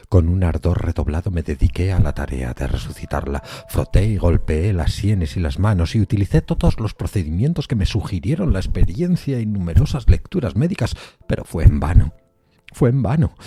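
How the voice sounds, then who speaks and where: Male reader as horror-struck widower for gothic tale: low, husky, theatrical, halting, dread-laden. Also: animated, warm tone, heavily acted. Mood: grave, despairing. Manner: theatrical, halting, emphatic repetitions. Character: haunted, horror-struck widower recounting his wife's resurrection. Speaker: podcast narrator reading a horror story. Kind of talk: dramatic gothic horror audiobook narration.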